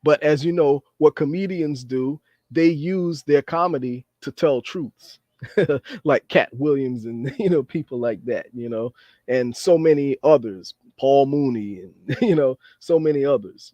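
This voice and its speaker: A man's voice: medium pitch, warm tone, no echo. A man hosting a talk show in an earnest, repetitive way, often adding "you know" and "okay". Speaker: podcast host. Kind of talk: casual commentary. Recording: dry, dull lo-fi sound.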